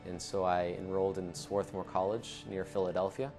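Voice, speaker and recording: A young man from Ecuador speaks to camera in a studio with a dark backdrop. His voice is very low and stays level. He tells his story in an earnest, steady way, and faint music plays underneath. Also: normal speed. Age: young adult. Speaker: founder of an anti-genocide network.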